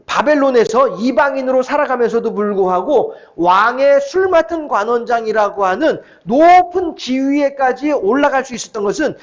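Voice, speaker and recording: A middle-aged man with an unusually high voice is preaching a weeknight sermon to his congregation. He talks in a relaxed, chatty way and keeps asking the listeners questions. The recording sounds dull and muffled. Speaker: pastor.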